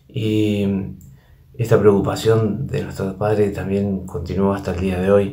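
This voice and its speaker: A man's fairly low-pitched voice at a fairly slow pace, against a quiet background. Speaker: church minister. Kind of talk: sermon. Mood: calm, warm, measured.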